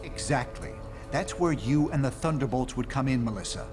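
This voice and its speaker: A man voices a pragmatic superhero leader from a video game. The voice is medium in pitch, controlled and matter-of-fact, like an official briefing. Music runs clearly behind it. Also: expressive, moderate pace, lightly acted. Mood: measured. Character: measured, pragmatic genius male superhero leader. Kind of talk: video game cutscene dialogue.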